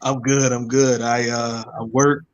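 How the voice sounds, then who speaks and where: A man co-hosting a podcast in casual chat, relaxed and joking as he tells stories. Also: medium pitch, unhurried, clear, resonant tone, muffled recording. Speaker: podcast co-host.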